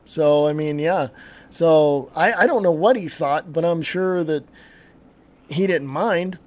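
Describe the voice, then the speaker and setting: A man in his fifties with a notably high-pitched voice hosts a casual talk show. He rambles through his stories, filling gaps with "you know" and "uh" and laughing often. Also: slow pace, a little mellow. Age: 50s. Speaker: podcast host. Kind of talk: casual chat.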